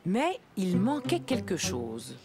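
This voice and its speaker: A woman narrating a preschool cartoon as a gentle, expressive storyteller. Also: mid-range voice, slow pace, loud music behind the voice, heavily acted. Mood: gentle storytelling. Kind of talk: scripted children's story narration.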